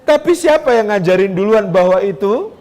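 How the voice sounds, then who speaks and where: A male preacher gives a parenting talk. He is lively and animated, speaking straight to the mothers in his audience and acting out little scenes. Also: high voice, moderate pace. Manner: animated, addresses mothers directly, acts out quotes. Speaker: Islamic preacher. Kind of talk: parenting sermon to a congregation.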